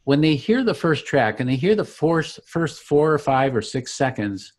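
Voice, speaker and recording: A man's voice: a little high, sing-song, moderate pace. A man giving a conversational product demonstration as a company founder, explaining things with enthusiasm.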